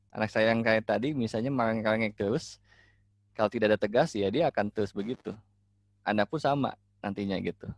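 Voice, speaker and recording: Man, life coach, casual teaching talk, halting with fillers, mid pitch, dry close sound. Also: no echo. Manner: relaxed, hesitant, many fillers and restarts.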